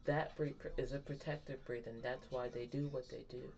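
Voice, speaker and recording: A vlogger in her thirties talks candidly and ramblingly to her viewers, often laughing at herself. Her voice is rumbling low, steady, fairly quick and darkish, captured in dull lo-fi sound with faint music behind.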